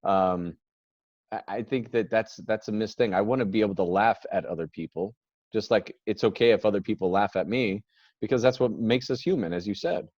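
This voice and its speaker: A man's voice: lowish voice, a little fast, a little mellow, dry recording. Rambling, laughing man on a lo-fi podcast. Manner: rambling storyteller, laughs often, many restarts. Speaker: podcast host. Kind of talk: casual chat. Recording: dull lo-fi dry sound.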